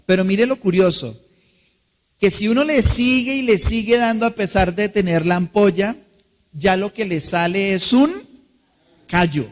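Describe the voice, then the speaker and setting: A man, preaching a sermon as pastor, drawing out key words and asking the congregation questions. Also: sits high. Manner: slows and stretches key words for emphasis, asks the congregation questions. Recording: long reverb of a large hall.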